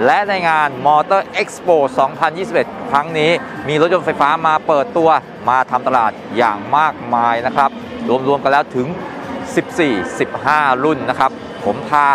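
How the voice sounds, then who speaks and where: A middle-aged man presenting a walkthrough at a car show, upbeat and informative, recorded on a lapel mic in a large indoor exhibition hall. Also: medium pitch. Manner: upbeat and informative, with polite sentence endings. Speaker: motoring reporter. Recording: noisy exhibition hall ambience.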